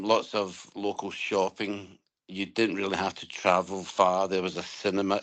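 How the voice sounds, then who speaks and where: Low-voiced Scottish man telling stories. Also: poor audio. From Scotland. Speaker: guest. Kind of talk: relaxed interview conversation.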